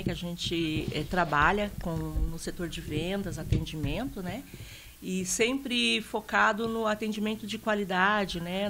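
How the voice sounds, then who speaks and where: A woman's voice: on the low side, a bit bright, a little hiss or hum. A Brazilian woman in her fifties, a sales consultant guest on a radio talk show, speaking earnestly and hesitantly with many fillers. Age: 50s. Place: radio studio.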